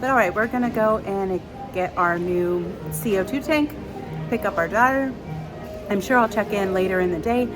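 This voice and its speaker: A woman's voice: mid-range voice, moderate pace, poor audio. Chatty woman vlogging with faint music. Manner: chatty, rambling with fillers. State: stuffy from allergies. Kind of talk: casual vlog chat. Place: theme park, outdoors and at home.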